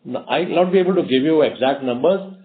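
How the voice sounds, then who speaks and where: A man's voice: fairly high pitch, brisk. A man with an Indian accent answers investor questions as a company executive in a conversational, explanatory way, often repeating phrases. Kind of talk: unscripted earnings call answers. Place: conference call. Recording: muffled narrowband conference phone line.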